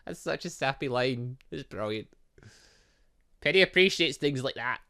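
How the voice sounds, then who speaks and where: A man's voice: mid-range voice, animated, moderate pace, sharp tone, clean tone. A man hosting a let's play, commenting and reading game dialogue aloud, often tripping over words and correcting himself. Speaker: gaming channel host.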